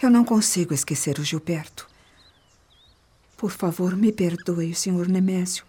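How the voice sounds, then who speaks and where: A woman's voice: fairly low pitch, normal speed, dark tone, slightly rough. An actress with a Brazilian accent playing a distressed young woman who pleads earnestly in a radio soap opera. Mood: pleading.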